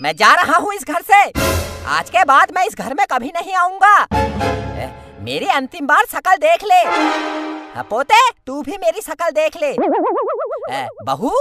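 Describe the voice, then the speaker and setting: A woman voicing a quick-tempered, self-pitying old grandfather in a cartoon. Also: high-pitched, wildly swooping pitch, over music, full character voice. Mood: sulking. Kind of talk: cartoon voice acting.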